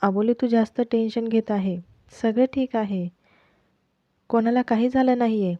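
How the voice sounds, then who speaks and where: A gentle, reassuring mother, voiced by a woman narrating a family drama, speaking in calm, soft tones. The sound is dry and dull. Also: on the high side, a little slow, no echo, close to an everyday voice. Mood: soothing. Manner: soothing, reassuring. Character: gentle soothing older mother. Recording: dull lo-fi, dry close mic.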